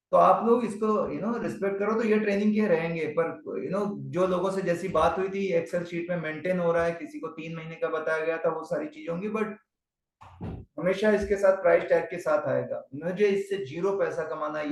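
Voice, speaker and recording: A man with a gravelly, somewhat high voice gives a motivational coaching talk over a video call. He drives his points home in short, repeated bursts. The sound is echoey and comes from a distance off the mic. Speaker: real estate coach.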